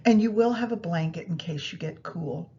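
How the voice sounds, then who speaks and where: A woman guiding a meditation practice in a soothing, unhurried manner, pausing between phrases. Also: mellow. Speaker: yoga nidra meditation guide. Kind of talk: guided meditation instruction. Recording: muffled, low rumbling background noise.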